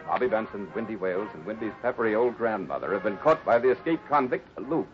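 A man's voice: fairly low pitch, expressive, fast talker, natural voice. A man narrating a 1950s radio adventure serial as its dramatic announcer. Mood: dramatic, suspenseful. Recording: muffled 1950s radio recording. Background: music.

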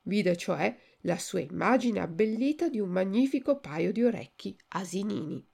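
A woman narrating a children's storybook in a measured, expressive way. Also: medium pitch, vocal fry, slightly rough. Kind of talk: storybook reading.

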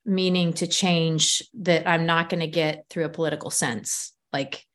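Podcast host, woman, fairly low voice, candid casual talk with easy laughs. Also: fairly even intonation, fairly bright tone. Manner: frank and swears, quick to laugh.

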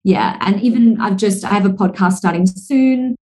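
A Singaporean woman in her thirties, a speaker and author, appears as a podcast guest in a casual interview, talking fluently and energetically at a middle pitch and moderate pace. She speaks in long runs peppered with "like" and "you know." The recording is rough.

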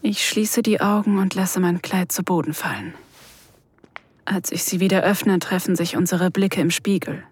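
A woman acting a shy, vulnerable mature woman, narrating an erotic audio drama softly and breathily, often sinking into a whisper. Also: fairly low pitch, fairly even intonation, moderate pace, breathy edge, no echo. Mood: shy, tense.

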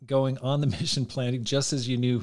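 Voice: mid-range voice, fairly even intonation, a little fast, darkish tone. Encouraging podcast host, mid-range voice. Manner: encouraging, with frequent affirmations. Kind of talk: casual interview questions.

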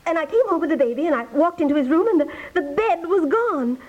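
Casting: affronted young suburban mother, high excitable voice, huffy, on a dull vintage radio recording. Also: fast. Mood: frantic. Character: indignant, frantic young mother and suburban housewife. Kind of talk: 1950s radio domestic comedy acting.

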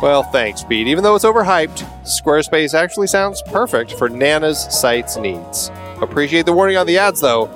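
A man's voice: a little high, animated, normal speed, a bit bright, soft background music. A man co-hosting a film podcast, bantering through a scripted sponsor and merch spot in a mock-sarcastic way. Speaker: podcast host. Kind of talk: scripted ad read.

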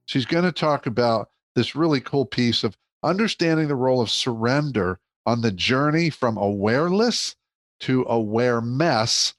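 A man's voice: medium pitch, dry recording. A man, hosting a podcast and introducing the show and its guest. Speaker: podcast host.

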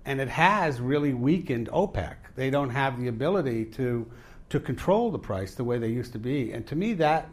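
A man leads a live onstage conversation with an author. His voice sits at an ordinary middle pitch, and he builds his questions slowly with pauses and restarts before handing the floor over. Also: expressive. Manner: probing, meandering questions. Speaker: interviewer. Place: live event before an audience.

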